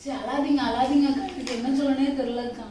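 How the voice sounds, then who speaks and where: A sympathetic, chatty neighbour woman acted by a woman in a homemade drama, talking quickly in a high voice and repeating herself. She has a southern Tamil Nadu accent. The recording is roomy and echoey, off the mic with faint noise. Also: fairly even intonation, mellow, distant mic, lightly acted. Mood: consoling. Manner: quick, repetitive consoling and gossipy chat.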